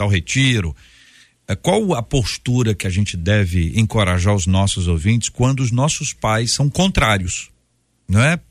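Deep-voiced Brazilian male talk show host. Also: dry recording, clean studio sound. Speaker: radio debate host. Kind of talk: moderating a live religious talk programme.

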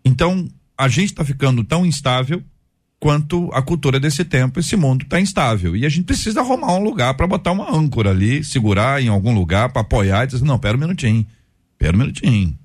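Lively man hosting a faith talk panel. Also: mid-range voice, fast talker. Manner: reflective, uses vivid imagery. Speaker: host. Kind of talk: Christian radio discussion panel.

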